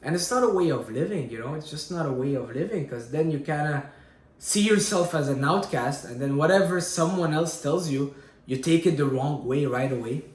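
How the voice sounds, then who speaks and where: Talking to camera at normal speed, this Syrian man in his late twenties, a fitness vlogger, reflects on personal matters in a slightly high, animated voice. The sound is roomy, and he frequently circles back on phrases and uses fillers as he hunts for the right words.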